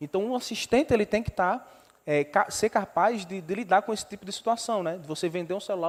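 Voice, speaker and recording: A man with a slight northeastern Brazilian accent talks at a fairly quick pace in a high pitch with lively intonation. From Brazil, Northeast (Mossoró, Rio Grande do Norte). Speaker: researcher presenting at a workshop. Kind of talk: technical presentation. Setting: auditorium with audience.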